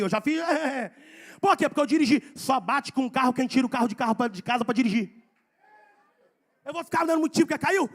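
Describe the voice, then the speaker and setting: High, bright-voiced Brazilian preacher shouting. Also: male voice. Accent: Brazilian Portuguese. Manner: swings between soft asides and loud shouting; repeats phrases for emphasis and calls on the congregation. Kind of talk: fiery sermon.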